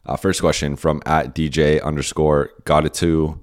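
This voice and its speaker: A hoarse, worn-out man hosting a solo podcast, answering listener questions in a rambling, casual way with many restarts. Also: a bass voice, little pitch movement, moderate pace. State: hoarse, lost his voice and tired. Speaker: podcast host and basketball beat writer.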